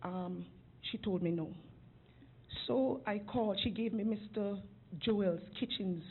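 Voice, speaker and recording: A woman's voice: mid-range voice, unhurried. A woman making an earnest, emotional public comment at a city council podium microphone. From outside Georgia. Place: city commission chamber. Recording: phone-like lo-fi council recording with faint hiss.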